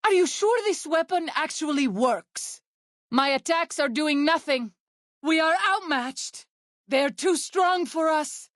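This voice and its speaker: A woman playing an earnest, protective tribal healer in a video game, speaking in formal, measured wording. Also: high voice, animated, a bit bright, no room sound, clean studio sound, exaggerated voice. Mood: alarmed. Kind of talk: video game character voice lines.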